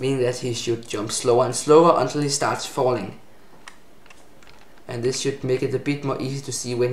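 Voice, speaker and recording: Background noise is noticeable, and the room echo is audible. A man of medium pitch speaks with fairly even intonation. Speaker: game development tutorial maker. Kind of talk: tutorial. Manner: fast; hesitant with fillers.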